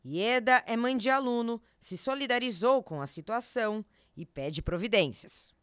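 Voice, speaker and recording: A woman reporter reading a scripted TV news report in a measured, solemn tone. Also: a little high, animated, fairly bright tone, smooth, no echo, studio quality.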